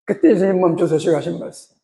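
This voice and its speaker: A man's voice: a little high, a little fast, creaky, mellow. A male pastor giving an impassioned, emphatic sermon full of rhetorical questions.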